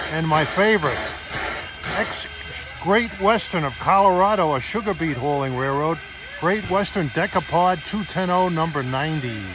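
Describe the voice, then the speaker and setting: Someone with an American accent speaks at a moderate pace, with noticeable background noise and audible room echo. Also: man, high pitch for a man, lively intonation. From Long Island, New York. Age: 60s. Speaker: railfan videographer. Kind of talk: casual vlog narration. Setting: outdoors.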